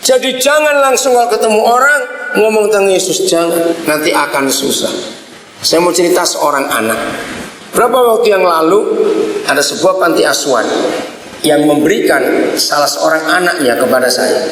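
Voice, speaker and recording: A man preaching a sermon, telling a story with big swings in pitch and slowed, drawn-out emphasis. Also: lively intonation, a bit bright, a little hiss or hum. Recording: distant mic in echoey hall.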